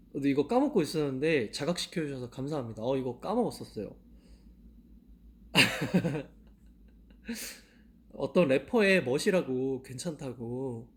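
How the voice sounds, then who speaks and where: A young man in his twenties chatting casually to fans on a live stream, laughing often and asking himself questions aloud. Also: medium pitch. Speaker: idol live-stream host. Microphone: handheld mic.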